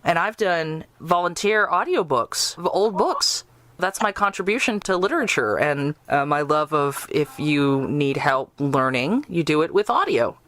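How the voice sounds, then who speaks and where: A woman's voice: sits low, lively intonation, measured pace, fairly bright tone, no room sound. A woman podcast host chatting casually and reflectively, drifting into asides and bits of imagined quotes. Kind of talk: casual interview chat.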